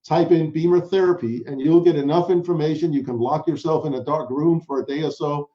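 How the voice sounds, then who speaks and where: A man's voice: on the high side, steady tone, brisk, dull audio. A man from Denmark hosting a webinar, upbeat and chatty, talking straight to the audience and introducing a guest. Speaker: webinar host. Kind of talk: presenting a sales webinar.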